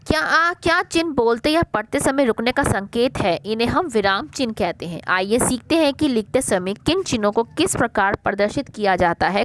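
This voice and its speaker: Lady teacher talking kids through a worksheet, kinda high voice, dry close sound, keeps asking and answering herself. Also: a bit bright, dry recording. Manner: coaxing teacherly talk, asks and answers own questions. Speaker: primary school teacher. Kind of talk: worksheet lesson for children.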